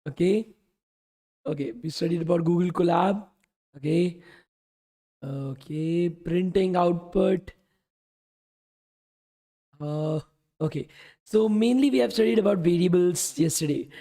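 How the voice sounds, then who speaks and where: A coding bootcamp instructor, a young man, runs a live-streamed coding lesson in a high, mellow voice that's a bit slow and full of long pauses, worn from a day of talking. He's casual, keeps saying "okay" and "guys," and answers chat questions.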